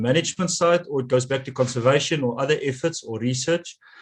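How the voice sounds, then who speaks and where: A man speaks with a South African accent. He moves at a fairly quick pace with ordinary pitch variation. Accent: South African (Afrikaans) English. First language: Afrikaans. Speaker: wildlife researcher. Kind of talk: online presentation and Q&A. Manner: halting.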